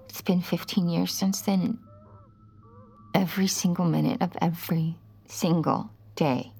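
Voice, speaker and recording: A woman's voice: fairly low pitch, steady tone, a little slow, vocal fry, mellow, husky, exaggerated voice. Woman narrating as a haunted, regretful mother. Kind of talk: audio drama narration.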